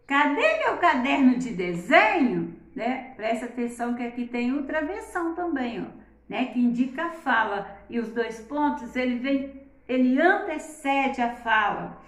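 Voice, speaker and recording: A woman, teaching a class and speaking in a slow, deliberate way, exaggerating the intonation of her examples and often adding "né?". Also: high voice, a bit bright, roomy sound.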